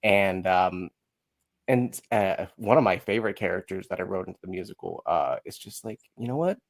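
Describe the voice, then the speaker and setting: A man chatting casually as an interview guest, telling his story in a candid, animated, self-deprecating way. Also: sits low, normal speed, vocal fry. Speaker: podcast guest, musical writer.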